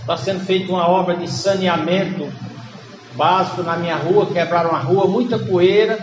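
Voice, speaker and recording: A Brazilian man preaching a sermon as pastor, with a cold that makes his voice congested, teaching in an unhurried way and stressing key words. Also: high voice, fairly even intonation. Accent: Brazilian Portuguese. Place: church hall. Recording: echoey hall, dull lo-fi sound, noisy background.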